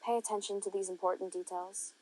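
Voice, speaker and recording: Guiding a meditation, a woman offers gentle instructions at an unhurried pace, leaving long pauses between phrases. Her medium-pitched voice stays fairly even in intonation, captured on a low-quality recording.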